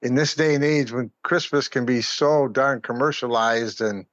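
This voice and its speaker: A male guest talks in a casual, reflective conversational style. His voice is mid-pitched, and the audio is slightly dull, without much room sound. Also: normal speed, a bit bright, no echo. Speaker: radio play cast member, guest.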